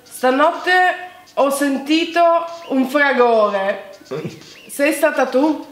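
A woman's voice: high voice, very slow, faint music behind. A young woman hosting in a casual, playful, exclamatory way, chatting in a room at home. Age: young adult. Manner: animated, exclamatory. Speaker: video host playing a lip-reading game. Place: home living room with staircase, indoors. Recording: echoey room with background noise.

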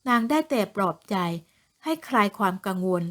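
A woman narrating an audio novel in a steady, even reading voice. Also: medium pitch, moderate pace. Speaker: storyteller.

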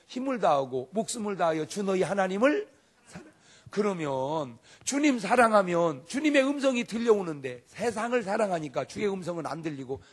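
A male pastor preaching a revival sermon at a live meeting. He is emphatic and humorous, swinging between loud exclamations and quiet asides. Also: high-pitched, breathy edge.

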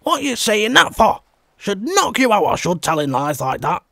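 Man doing a shouting outlaw. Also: high-pitched, huge pitch swings, normal speed, vocal fry, no echo, studio quality, pitched above the performer's own voice, exaggerated voice. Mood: furious. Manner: shouting, indignant. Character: angry bearded male outlaw, bickering, loud.

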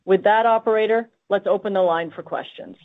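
A woman company executive delivers remarks on an earnings call. Her voice sits at a medium pitch. It comes through a thin, band-limited telephone-style connection. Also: brisk. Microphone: conference call line. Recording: tinny, band-limited conference call line.

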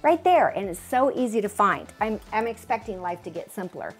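A woman's voice: mid-range voice, big pitch swings, normal speed, faint music behind. A woman in her fifties giving a chatty, self-joking tour of her newly organized closet, talking straight to the camera. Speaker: home organizing vlogger. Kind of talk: casual chatty home tour. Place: bedroom closet in a home, indoors.

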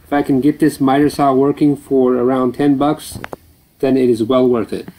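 A man's voice: mid-range voice, little pitch movement, normal speed, mellow, rough recording. A man explaining a motor repair over his footage in a plain, explanatory way, with occasional fillers. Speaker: repair channel host.

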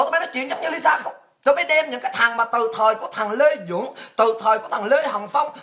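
A woman's voice: fairly high pitch, a bit bright. A woman from Vietnam hosting a livestream show, delivering an abusive, mocking tirade full of rhetorical questions. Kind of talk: livestream rant.

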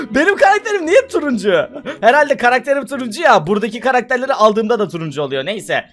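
A man giving casual, excitable let's-play commentary to his viewers, laughing often as he plays. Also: very high voice, fast. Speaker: gaming video host.

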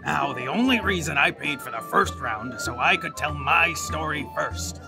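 A blustering, indignant riverboat captain in an audio drama. His gravelly voice leaps dramatically up and down, with music playing behind him. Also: on the high side, lively intonation, moderate pace, rough recording. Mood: grumbling, storytelling. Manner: loud, indignant, theatrical.

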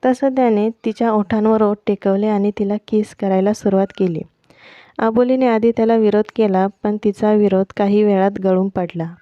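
A woman's voice: mid-range voice, steady tone, normal speed, dry recording. A woman steadily reading aloud a story she wrote herself, in a dull, dry lo-fi recording. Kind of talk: reading her own written story.

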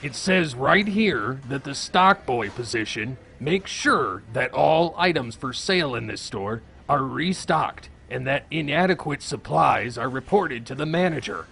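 A man's voice: mid-range voice, lively intonation, a little slow, vocal fry, few pauses, pushed and bright, a little hiss or hum, exaggerated voice. A man playing an exasperated, by-the-book grocery store manager in a comedy audio sketch. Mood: exasperated, insistent.

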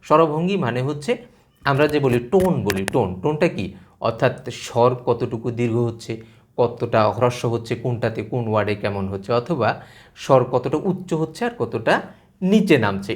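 A man talks in an even, lecturing tone, pitched at an ordinary middle height for a man. He speaks straight to the listener and piles up one example after another as he explains. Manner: measured, lecturing, addresses listener directly with repeated examples. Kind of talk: explanatory talk to camera.

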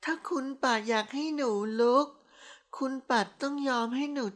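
A woman's voice: high-pitched, normal speed, a bit bright, voice pushed up. Woman voicing a drunk whiny young wife. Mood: coy. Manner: pouting, babyish, calls herself "little one". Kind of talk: audiobook character voice.

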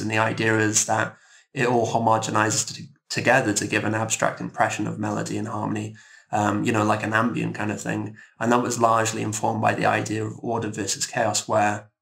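Halting, thoughtful man with an even delivery. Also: fairly low pitch, vocal fry. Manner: halting, thoughtful, pausing often. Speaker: composer, interview guest. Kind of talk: casual interview discussion.

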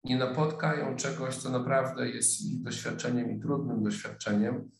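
A middle-aged man giving an online lecture on a webcam, speaking thoughtfully with many pauses, fillers and restarts. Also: medium pitch, steady tone, gravelly, echoey room, low-quality recording. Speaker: sociologist lecturer. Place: office room, indoors. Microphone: webcam video call.

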